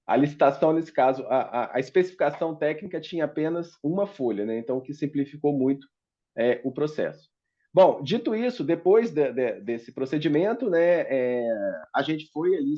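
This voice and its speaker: A man's voice: on the high side, dark tone, muffled recording. A man giving a panel presentation as a startup founder, talking hesitantly with many fillers and restarts. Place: meeting room at a public forum.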